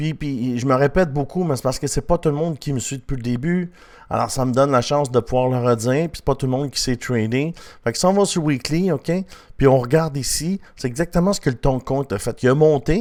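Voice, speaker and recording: Over a very clean recording with a silent background, a man with a Quebec accent talks at a fairly quick pace in a fairly high pitch with ordinary pitch variation. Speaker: crypto trading YouTuber. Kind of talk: chart analysis tutorial. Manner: fast.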